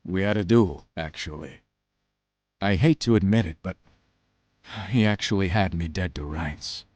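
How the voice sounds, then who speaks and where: A man plays a weary veteran of war in an audio drama. His voice sits very low and moves slowly. He is guarded and understated, often halting mid-thought. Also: a little mellow, no echo, lo-fi sound. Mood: somber, reluctant.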